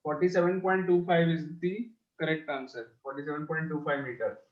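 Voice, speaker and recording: A man's voice: fairly high pitch, fairly even intonation, a little fast. A male maths teacher with a South Asian accent leading an online class, prodding pupils and repeating his instructions. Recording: dull lo-fi online call audio.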